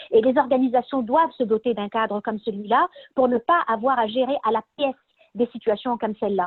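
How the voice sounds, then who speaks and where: A woman speaks at a fairly quick pace. Her pitch is high, with ordinary variation. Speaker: webinar speaker on diversity. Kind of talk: webinar talk. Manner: hesitant, many fillers.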